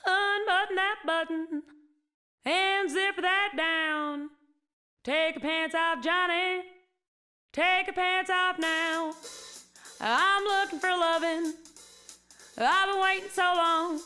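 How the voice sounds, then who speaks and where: A woman's voice: extremely high pitch, fairly even intonation, slow, pauses often, sharp tone. A woman singing a bawdy comic song over guitar backing.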